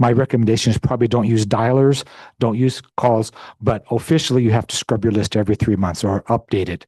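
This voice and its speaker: Very fast speech from a man at medium pitch, with ordinary pitch variation and a dark, mellow tone, in a dry, close sound with no echo and a quiet background. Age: 60s. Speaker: real estate broker leading a meeting. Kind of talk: office meeting talk.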